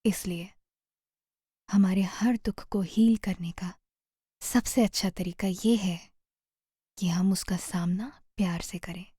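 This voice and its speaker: A woman narrating a guided meditation in a soothing, gentle manner, often trailing off into a near-whisper. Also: mid-range voice, steady tone, takes it slowly, long pauses, breathy edge, dry recording, clean studio sound.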